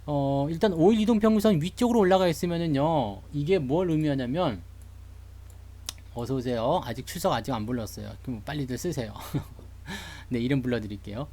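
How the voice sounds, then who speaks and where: A man's voice: on the high side, lively intonation, a little fast, dark tone. A man from Seoul giving a chatty, joking live lecture on stock charts to online viewers. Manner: chatty, jokey, greets live chat viewers. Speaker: stock market streamer.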